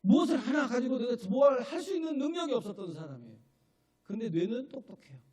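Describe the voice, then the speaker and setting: Fervent high-voiced preaching man. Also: very animated, quick pace. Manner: emphatic, keeps asking the congregation "예?"; builds to shouted, tearful peaks. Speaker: pastor. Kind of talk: sermon. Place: church sanctuary.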